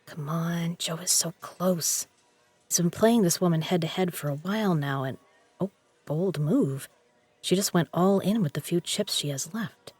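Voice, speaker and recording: A woman's voice: fairly low pitch, unhurried, darkish tone, husky, no echo. A woman playing a tough, guarded poker legend in an audio drama, with a blunt, sardonic way of talking. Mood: hushed commentary.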